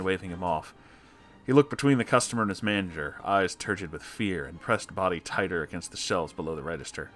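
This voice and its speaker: Guy reading a funny horror story out loud, lowish voice, dramatic narrator style. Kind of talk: scripted dramatic narration of comic horror fiction.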